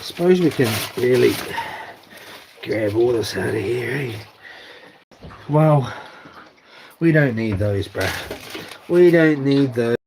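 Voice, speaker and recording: A man's voice: medium pitch, expressive, slow, long pauses, noisy background. A man with a broad New Zealand accent chatting casually and slangily, half to himself, as he vlogs. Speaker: live streamer. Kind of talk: casual vlog chat, talking while tidying.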